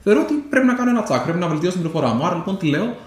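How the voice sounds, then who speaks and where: A man's voice: high voice, sing-song. Rambling Greek-speaking man in echoey room. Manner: rambling, many fillers and restarts. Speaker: podcast co-host. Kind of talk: casual chat. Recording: echoey room with faint noise.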